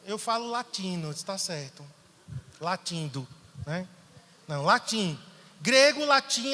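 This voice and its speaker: High, bright-voiced preaching man. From Brazil. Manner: animated, shifts from soft to emphatic preaching. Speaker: pastor. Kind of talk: sermon. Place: church hall. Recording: long hall reverb.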